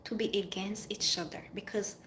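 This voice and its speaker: Offering life advice as a vlogger, a woman from Haiti or France delivers an earnest motivational monologue, repeating lines for emphasis. Her Haitian-French-accented voice is medium-pitched, steady and fairly bright at a moderate pace, over a faint hiss or hum.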